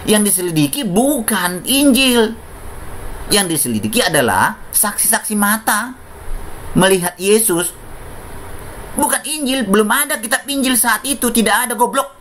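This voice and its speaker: A woman's voice: medium pitch, expressive, measured pace, pauses often, a little hiss or hum. A woman commenting on a debate clip, scornful and mocking, repeating sarcastic phrases.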